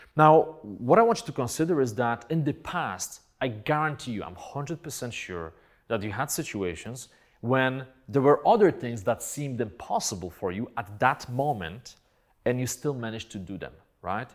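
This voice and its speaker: A man with a Polish accent at medium pitch and a moderate pace, with lively intonation and big swings in loudness, in a very clean recording over a silent background. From Poland. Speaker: motivational speaker. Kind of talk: motivational talk. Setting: video shoot with film crew.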